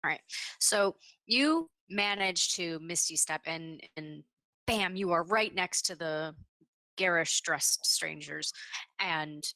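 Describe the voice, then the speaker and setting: Bright-voiced woman narrating as game master. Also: fairly low pitch, slow, no echo. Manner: vivid, descriptive narration with casual fillers.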